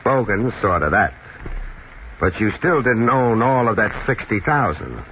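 An American man playing a tough, laconic private investigator in a 1950s radio drama, with dry, deadpan delivery. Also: fairly low pitch, a little slow. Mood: accusing. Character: tough, unflappable male private investigator, wry and relentless. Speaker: lead actor and first-person narrator. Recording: muffled, noisy old 1950s radio recording.

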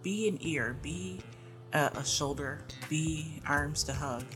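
A woman in her forties hosting a podcast as a coach, talking in a casual, earnest, gently encouraging way and often adding "you know" and "right?". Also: deep voice, slow pace, over music. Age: 40s. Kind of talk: casual reflective monologue.

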